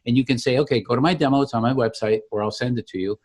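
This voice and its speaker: A man's voice: medium pitch, rapid-fire, a loud crowd. A man giving a conversational product demonstration as a company founder, explaining things with enthusiasm.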